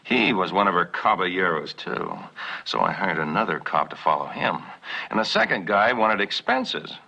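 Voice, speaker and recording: A gravelly, grumbling soldier. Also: male voice, sits low, big pitch swings, normal speed, pushed and bright, full character voice. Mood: grousing. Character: grumbling wounded soldier, jealous husband. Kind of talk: 1970s TV sitcom acting. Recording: dull lo-fi TV audio.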